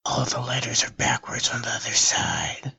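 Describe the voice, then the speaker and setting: A woman playing a talking remote, a dry, cautious sidekick with a whispery, gravelly voice, in an audio drama. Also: very deep voice, flat delivery, moderate pace, sharp tone, recorded from a distance, full character voice. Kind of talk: amateur audio drama acting.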